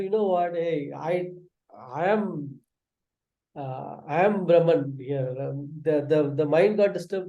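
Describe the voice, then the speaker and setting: A man asking questions as a student, halting and repeating words as he searches for phrasing. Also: a little high, dark tone, poor audio. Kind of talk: hesitant questioning in a study session.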